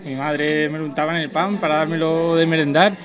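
A man in his thirties, a chef being interviewed in a restaurant dining room, talking in a halting way with restarts, into a handheld mic. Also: a little high, fairly even intonation, crowd noise. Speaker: guest chef. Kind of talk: casual interview.

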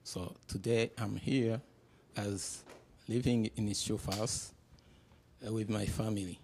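A middle-aged man speaks slowly and haltingly, pausing often as he introduces himself. His voice is low-pitched and mellow. He talks into a handheld mic in a classroom. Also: steady tone, vocal fry, slight background noise. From Burundi. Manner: halting, hesitant with many pauses. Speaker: panel guest. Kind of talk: personal introduction.

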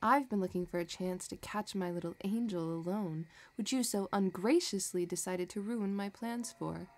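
A woman playing a possessive, sadistic villainess who dotes obsessively, condescending and softly menacing, in an intimate audio roleplay. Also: medium pitch, normal speed, close to an everyday voice. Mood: condescending, threatening.

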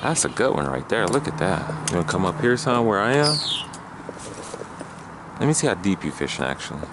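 A man with a low, gravelly voice patiently talks a companion through fishing from his kayak. The sound comes from a head-mounted camera outdoors, with plenty of noise around him. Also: very animated, a little fast. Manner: patient, coaching. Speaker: angler teaching a companion to fish. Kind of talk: casual outdoor chat. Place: kayak on a reedy lake outdoors. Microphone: head-mounted action camera. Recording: noisy outdoor camera audio.

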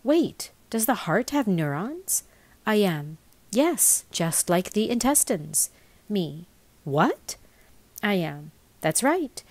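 A woman reads scripted narration as a voice-over. Her mid-pitched voice moves up and down in a lively way while she enunciates in a measured manner. The sound is dry, with very little room in it. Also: no room sound. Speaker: voice-over reader. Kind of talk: scripted narration of a spiritual explainer, read aloud.

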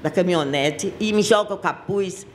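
A woman's voice: on the low side, slight background noise. A woman in her sixties with a Brazilian accent gives personal testimony at a public hearing. She speaks with passion and halts often to restart her sentences. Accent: Brazilian Portuguese. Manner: impassioned, halting, with many restarts. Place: public auditorium.

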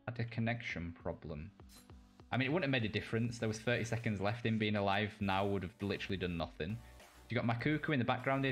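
A British caster with a voice on the low side calls a live esports game, reacting quickly in play-by-play with jokey asides.

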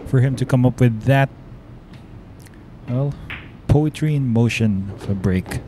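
A man with a Filipino accent giving relaxed, admiring play-by-play commentary on a pool match. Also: medium pitch, a little slow. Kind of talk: live sports commentary. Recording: noisy live stream audio.

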